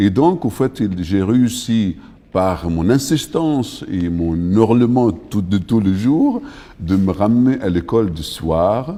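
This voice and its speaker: A man's dark, mellow tone at a fairly low pitch, very slow in pace, with lively intonation. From Iraq (Baghdad). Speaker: poet. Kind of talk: interview. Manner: hesitant, many fillers.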